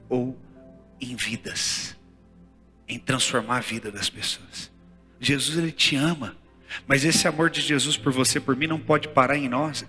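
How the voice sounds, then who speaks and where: A man with a Brazilian Portuguese accent preaching a sermon in a church, moving from hushed storytelling to loud, fervent exhortation. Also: medium pitch. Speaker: pastor. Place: church sanctuary. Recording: church hall with long reverb and faint music.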